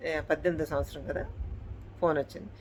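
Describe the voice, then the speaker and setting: A woman's voice: low-pitched, steady tone, fast talker, a little hiss or hum, low-quality recording. A woman and channel host telling a true horror story in casual speech, repeating her phrases and addressing listeners politely.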